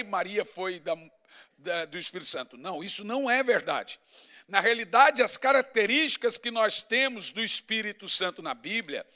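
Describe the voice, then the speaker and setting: A man's voice: sits high, bright, forceful tone. A middle-aged man, a pastor preaching a sermon in a conversational, emphatic way, often listing points.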